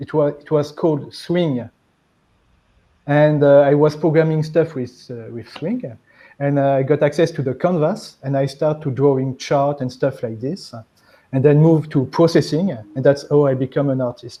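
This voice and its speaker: This man's voice is pitched fairly high. The intonation stays fairly even. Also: moderate pace. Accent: French. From France. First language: French. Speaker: software developer and generative artist. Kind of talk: interview. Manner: halting, many fillers.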